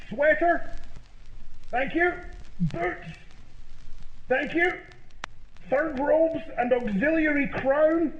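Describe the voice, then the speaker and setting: A man playing a dim, cheerful bumbling party host in an old-time radio comedy, slow, hesitant and clueless. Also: extremely high pitch, full character voice. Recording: tinny phone-like radio sound, roomy.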